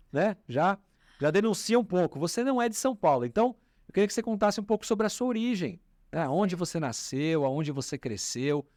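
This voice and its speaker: A man's voice: fairly high pitch, dry recording, studio quality. A man hosting an interview, plugging the program and asking his guest about her origins. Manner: lively, promotional, asks leading questions. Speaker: host.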